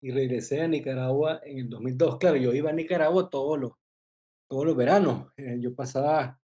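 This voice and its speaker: A man's voice: mid-range voice, fairly quick, mellow, slightly rough. A man in his forties, born in Costa Rica, talking as a guest on a podcast, hesitant with many fillers. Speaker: guest, journalist and filmmaker. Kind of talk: casual interview.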